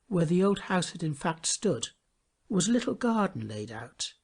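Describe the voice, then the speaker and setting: Male audiobook narrator for children's classics. Dramatic, animated intonation, slightly rough-edged tone. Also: on the high side. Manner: expressive, dramatic storytelling. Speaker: storybook reader. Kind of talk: scripted storybook narration.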